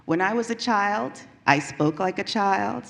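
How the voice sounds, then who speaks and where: A woman reading scripture and scripted narration in a measured, recited way for a church readers' theater. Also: mid-range voice, expressive, vocal fry, fairly bright tone. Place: church sanctuary during a live service. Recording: distant, echoey hall with faint noise.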